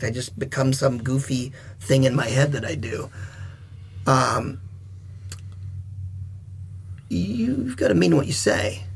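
A middle-aged man, a veteran wrestler and guest, telling stories in a casual chat, animated and swinging between loud and soft. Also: mid-range voice, vocal fry, slightly rough.

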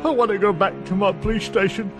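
A man's voice: high voice, fast, loud music behind the voice, natural voice. A man voicing a plaintive policeman who has been turned into a talking apple tree.

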